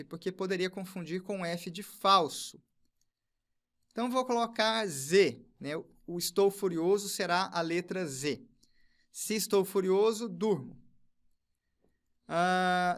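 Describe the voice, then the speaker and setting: A male teacher, walking through a recorded online lesson. He is methodical and says each step twice, slowly, as he writes it out on screen. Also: high-pitched.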